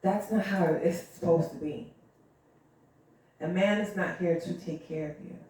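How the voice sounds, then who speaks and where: A woman's voice: fairly low pitch, unhurried, mellow. Woman, 30s, podcast co-host, earnest casual chatter, distant mic, echoey room. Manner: earnest, repeats phrases, many fillers. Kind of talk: casual chat.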